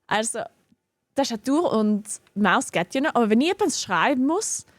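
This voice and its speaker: A woman's voice: fairly high pitch, very animated, moderate pace, no room sound. A young woman with a regional German dialect, chatting casually and giggling often while streaming a game from her home office. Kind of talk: casual live-stream chat while gaming.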